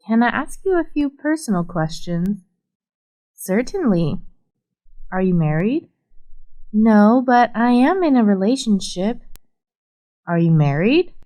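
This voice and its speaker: A woman reading short English practice questions and answers as a scripted lesson, voicing both sides in a deliberate, even way. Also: medium pitch, low-quality recording.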